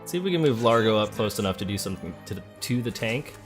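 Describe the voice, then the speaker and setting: A man's voice: lowish voice, expressive, fast talker. A man hosting a let's play, thinking aloud in casual, conversational game commentary. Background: game music.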